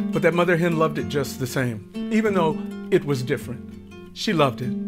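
The voice moves at a fairly quick pace with very wide pitch swings. Clear music plays in the background. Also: man. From United States. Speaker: storyteller. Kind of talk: children's folk story telling. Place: home room.

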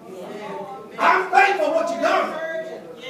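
Audible room echo surrounds a man speaking in an animated tone at a fairly slow pace. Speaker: pastor. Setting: church. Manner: animated, repetitive exclamations like 'Woo' and 'come on, somebody'; rhythmic preaching cadence, prompting the crowd to finish lines. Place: church. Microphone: camera far.

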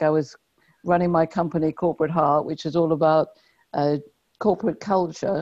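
With an English accent, a woman speaks in a dark, mellow tone at a fairly low pitch, the sound dry with no echo over a quiet background. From London, England. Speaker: business consultant; podcast guest. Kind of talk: interview. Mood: warm, smiling. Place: home room. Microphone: earbuds.

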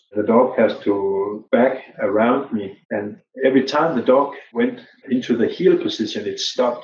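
A man with a Danish accent speaks at a moderate pace. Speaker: dog trainer. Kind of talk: interview. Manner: halting, with many fillers.

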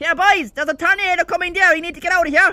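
At a very fast pace, a cartoonish character voice chatters at an extremely high pitch. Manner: exasperated, sweary.

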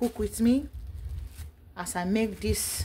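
A woman speaks with noticeable background noise in the recording. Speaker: home cook vlogger. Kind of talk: casual cooking vlog chat. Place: kitchen. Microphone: phone near.

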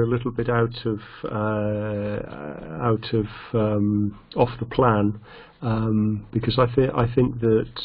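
In a quiet background, a man speaks with fairly even intonation. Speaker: course teacher. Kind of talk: lecture. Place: home room. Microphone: webcam.

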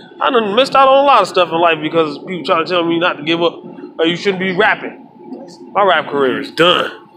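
A man's high, lively voice at a very fast pace, against noticeable background noise. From Michigan, Saginaw; Michigan. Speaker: fitness vlogger. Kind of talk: casual vlog. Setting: in a car and a store. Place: shop. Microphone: phone near.

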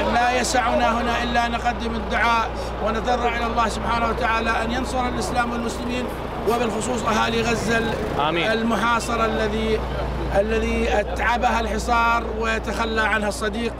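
A man at a moderate pace, crowd noise behind him. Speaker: interviewee. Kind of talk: interview answer. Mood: earnest, prayerful near the end. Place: street. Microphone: handheld.

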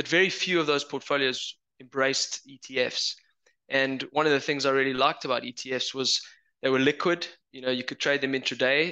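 Over a quiet background, a man with a South African accent speaks at a moderate pace in a bright, sharp tone, fairly high in pitch and monotone, with flat intonation. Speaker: investment firm founder. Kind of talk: interview. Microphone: headset.

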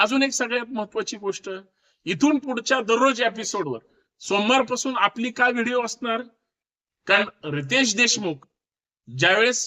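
This man's voice is extremely high-pitched. Its pitch shifts in an ordinary way. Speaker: lawyer and YouTube commentator. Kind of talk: opinion commentary monologue.

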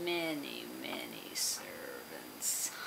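A cartoonish character voice at a middle pitch comes with a theatrical tone. Clear background noise can be heard behind it. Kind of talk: comic puppet acting. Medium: puppet show. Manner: theatrical, boastful, creepy.

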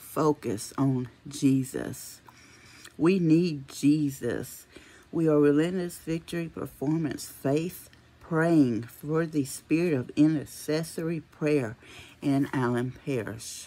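A woman speaks very slowly in a very deep, low voice. Her pitch varies in an ordinary way. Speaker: prayer leader. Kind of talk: fervent intercessory prayer and exhortation. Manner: urgent, emphatic, forceful preaching tone. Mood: fervent prayerful. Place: home room. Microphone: phone near.

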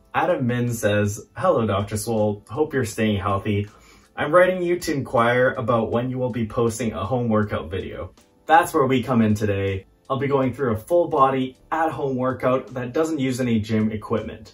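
A man speaking at a moderate pace with ordinary pitch variation, faint music in the background. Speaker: fitness video host. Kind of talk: fitness tutorial intro. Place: home room.

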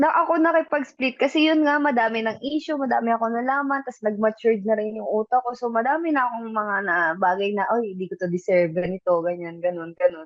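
A woman with an unremarkable speaking voice talks fairly quickly with hardly any pauses. Her pitch is fairly high and her intonation lively. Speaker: actress. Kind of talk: casual chat.

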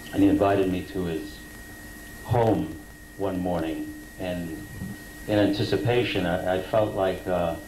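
A man's very deep, low pitch amid audible room echo and light background noise. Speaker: guest. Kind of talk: interview answer, anecdote. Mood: amused storytelling. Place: hall. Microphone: pa.

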